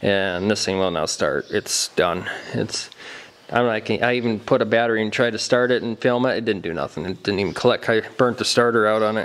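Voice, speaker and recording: Fairly even intonation marks this man's speech. He talks at a fairly quick pace. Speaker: vehicle hobbyist vlogger. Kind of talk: casual vlog chat. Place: garage. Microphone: phone near.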